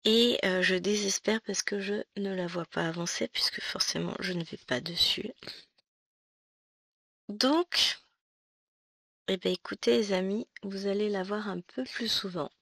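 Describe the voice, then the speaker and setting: A bright, gravelly-voiced woman hosting her cross-stitch vlog. She chats loosely with plenty of fillers and asides as she works. The sound is dry and close. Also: medium pitch, measured pace, pauses often, dry recording. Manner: chatty, rambling, lots of fillers and asides while stitching. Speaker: cross-stitch channel host. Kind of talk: casual chatty craft vlog.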